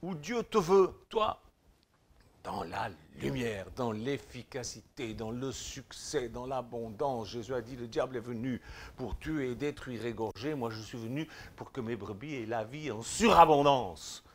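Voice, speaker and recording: A pastor with a Swiss French accent preaches a sermon, exhorting listeners directly with informal address and swinging between loud declarations and quiet asides. His medium-pitched voice is expressive and a little slow, with slight background noise.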